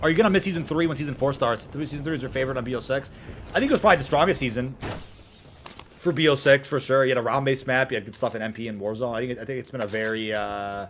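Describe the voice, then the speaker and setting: A man's medium-pitched voice at a very fast pace with hardly any pauses, ordinary pitch variation and noticeable background noise. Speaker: gaming streamer. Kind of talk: live stream commentary.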